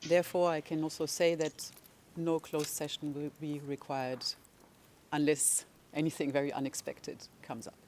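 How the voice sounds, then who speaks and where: A lawyer for victims in a courtroom, speaking slowly and deliberately while explaining procedure and questioning a witness. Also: medium pitch, little pitch movement, a little mellow, slight background noise. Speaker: legal representative of victims.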